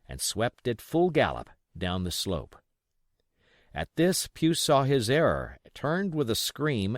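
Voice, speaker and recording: A man reading an adventure novel aloud as scripted, expressive, dramatic narration. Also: fairly low pitch, no room sound, clean studio sound. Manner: expressive storytelling. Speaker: audiobook reader.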